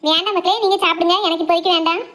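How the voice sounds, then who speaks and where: A woman's voice: extremely high pitch, steady tone, rapid-fire, bright, forceful tone. A woman voicing a tired, affectionate, grumbling village mother in a cartoon, chattering in a Tirunelveli Tamil accent. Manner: colloquial, chattering, complaining. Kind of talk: homemade cartoon family drama.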